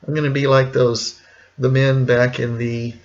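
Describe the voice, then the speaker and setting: A middle-aged man with a gravelly, hoarse, cracking voice, talking casually and reflectively in a rambling personal vlog. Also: mid-range voice, little pitch movement, dull audio. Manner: rambling, reflective, slow with pauses. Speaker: vlogger.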